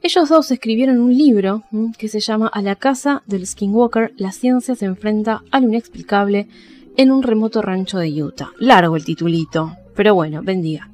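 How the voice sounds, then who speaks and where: A woman's voice: medium pitch, normal speed, darkish tone. Argentine woman telling stories over music. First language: Spanish. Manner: conversational, addresses listeners with checking tags. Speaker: podcast host. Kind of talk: casual storytelling about paranormal history. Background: background music.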